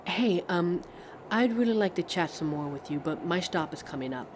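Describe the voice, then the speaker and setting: A woman's voice: on the low side, normal speed, natural voice. A woman playing a pensive, friendly train passenger in a conversational ASMR roleplay, musing hesitantly as she talks to a stranger. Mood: friendly, shy. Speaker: audio roleplay performer. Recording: steady train ambience noise. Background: train ride sound effects.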